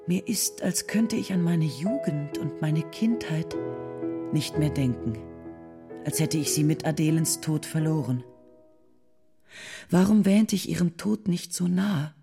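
A woman's voice: on the low side, warm tone, lightly acted. An actress playing a grief-stricken 19th-century mother, reading her letter to a bereaved friend in an intimate, mournful way.

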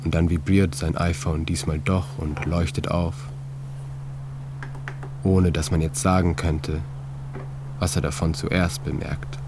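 A man reading his own literary prose in a calm, measured, reflective way. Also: low-pitched, background noise. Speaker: author and narrator. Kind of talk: scripted literary narration.

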